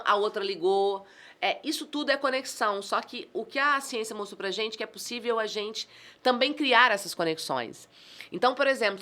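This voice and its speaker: A woman with a Brazilian accent, a communication trainer chatting as a podcast guest, animated and exclamatory, acting out the dialogue in her stories. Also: on the high side. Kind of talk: casual podcast conversation.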